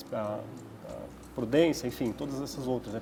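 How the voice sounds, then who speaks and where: With music in the background, a man talks at a moderate pace using ordinary pitch variation. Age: 20s. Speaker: project manager. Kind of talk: studio interview. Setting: studio. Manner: halting.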